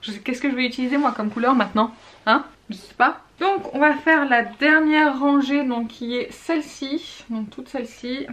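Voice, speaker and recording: A woman's voice: high voice, moderate pace, a bit bright. A woman chatting casually as she swatches makeup, gushing and sometimes dropping to a whisper. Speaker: beauty vlogger.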